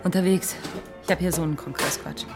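A woman's voice: on the low side, fairly even intonation, quick pace, over music, close to an everyday voice. An actress playing a cool, sardonic woman in her thirties in a naturalistic radio drama, with a dry, blunt delivery. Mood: casual, dry. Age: 30s.

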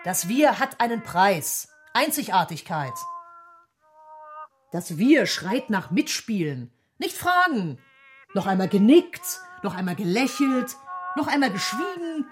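In a literary radio play, an actress voices a torn, brooding and defiant inner voice, speaking in deliberate, emphatic short phrases. Her voice is a little high, and music plays prominently behind her.

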